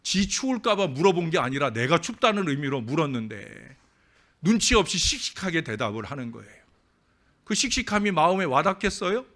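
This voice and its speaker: Animated high-voiced male pastor preaching. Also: a little fast. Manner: dramatic swings between loud emphatic lines and quiet asides; tells jokes as anecdotes, acting out the speakers. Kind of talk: sermon. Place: church sanctuary.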